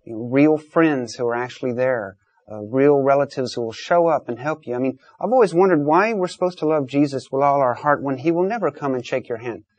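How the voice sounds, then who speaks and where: A man's voice: medium pitch, a little fast, a little mellow, dry recording. A man hosting a call-in debate, talking in an emphatic, blunt, lecturing way. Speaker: talk show host.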